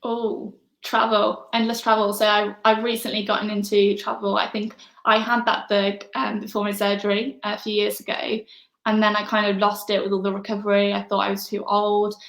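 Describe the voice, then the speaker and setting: A woman answering interview questions in a relaxed, casual way, soft-spoken with frequent pauses and fillers. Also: mid-range voice, gravelly. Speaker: interview guest. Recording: echoey room.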